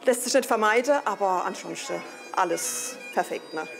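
A woman talking quickly in a casual interview, tagging her sentences with questions. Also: medium pitch, vocal fry. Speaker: partner of the organizer. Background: bagpipe music and crowd.

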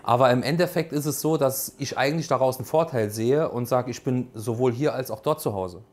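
A man in his thirties with a Saarland accent, talking in a halting interview with many fillers. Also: mid-range voice, darkish tone. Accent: Saarland German. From Germany (Saarland). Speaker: restaurant co-owner. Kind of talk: interview statement.

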